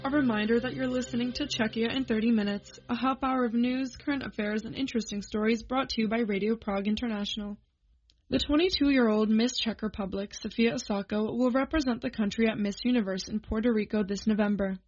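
A woman's voice: fairly high pitch, fairly even intonation, a little fast, a little mellow, husky, muffled recording. A woman presenter reading scripted links between segments of a radio program.

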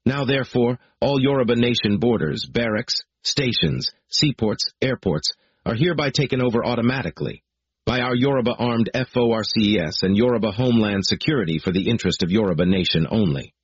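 A man with a low, husky voice reads a formal proclamation, solemn and measured, each clause weighed out. The recording is dry and dull, with a slightly muffled lo-fi sound. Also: expressive, no room sound. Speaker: speaker reading a declaration.

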